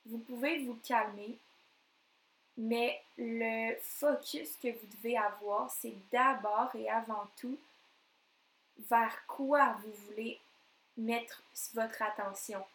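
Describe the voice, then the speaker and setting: A woman with a Québécois accent, a coach talking on her own podcast in an energetic, emphatic way that repeats phrases for effect. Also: a little high, slow, echoey room, low-quality recording. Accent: Québécois French. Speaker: NLP coach. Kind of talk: solo podcast talk.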